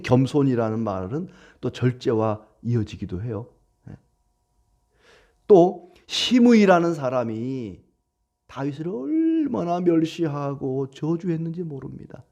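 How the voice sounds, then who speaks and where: A man preaching a sermon as a pastor, animated, with acted quotes. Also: medium pitch, a little slow, muffled recording.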